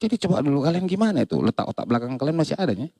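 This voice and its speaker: A man's voice: a little high, racing, no room sound. Guy preaching hard in an online debate, voice swooping up and down, dry close sound. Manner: lively, preachy, talks over others, quotes scripture. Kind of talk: heated religious debate.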